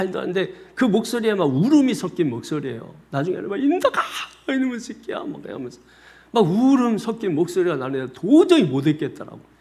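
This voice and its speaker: A man, a senior pastor, preaching a sermon and telling a personal story, often speaking straight to his congregation. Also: sits high. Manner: animated storyteller, often addressing the congregation directly. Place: church sanctuary.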